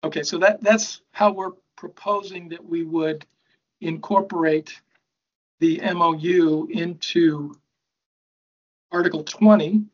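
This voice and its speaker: A man speaking in a formal bargaining meeting over a video call, measured and procedural. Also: fairly high pitch, steady tone, highs cut off. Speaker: university bargaining representative.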